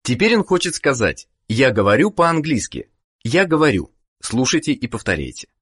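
Husky-voiced male course narrator. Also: medium pitch, very animated, a bit bright. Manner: measured, prompting the listener to repeat. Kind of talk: scripted instruction.

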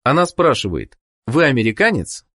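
A man narrating a scripted language course, giving clear prompts to the learner. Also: medium pitch, big pitch swings, moderate pace, a bit bright.

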